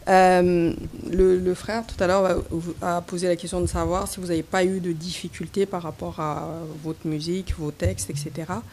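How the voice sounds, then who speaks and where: A woman's voice: lowish voice, mellow, a little hiss or hum. A woman journalist, a Swahili speaker, putting a question at a press conference and often searching for her words.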